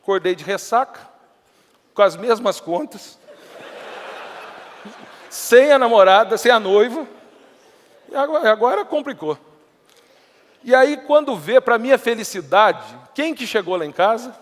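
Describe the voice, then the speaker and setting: A middle-aged Brazilian man from the Minas Gerais countryside speaks on stage, his voice pitched high and ringing out through a large hall with a long reverb. He tells his story to the crowd in a chatty, anecdotal way, acting out the dialogue he quotes. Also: lively intonation, unhurried, pauses often. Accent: Brazilian Portuguese, countryside Minas Gerais. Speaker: entrepreneur giving a talk. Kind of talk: motivational storytelling talk to a live audience.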